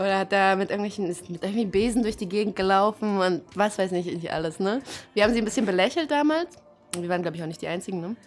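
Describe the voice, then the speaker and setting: With music playing in the background, a woman talks very fast at a medium pitch with ordinary pitch variation. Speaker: best friend of host, sex worker. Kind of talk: casual chat.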